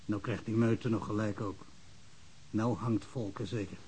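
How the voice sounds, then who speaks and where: A man's voice: fairly low pitch, steady tone, a little slow, darkish tone, lightly acted. Actor as rambling small-town policeman, noisy recording. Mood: shaken, remorseful. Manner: stammering, repetitive, rambling. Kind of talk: radio drama acting.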